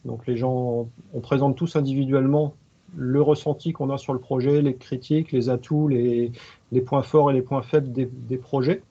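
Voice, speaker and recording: A man on a webinar panel, his voice low, gravelly and mellow. He talks in halting stretches, full of fillers and restarts. The call audio sounds dull and lo-fi. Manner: hesitant, many restarts and fillers. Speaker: expert evaluator panelist. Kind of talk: webinar discussion.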